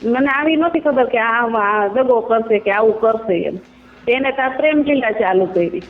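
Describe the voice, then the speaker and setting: A woman's voice: fairly high pitch, lively intonation, moderate pace. A woman with a Kathiawadi Gujarati accent giving an informal personal account on a phone call, in colloquial rustic phrasing. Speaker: caller telling their own story. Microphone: telephone line. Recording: tinny narrowband phone call recording.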